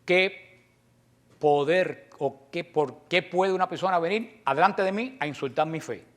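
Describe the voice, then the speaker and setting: A man's voice: on the high side, unhurried. A man with a Cuban accent preaching a combative sermon, full of rhetorical questions to his listeners. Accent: Cuban Spanish. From Cuba.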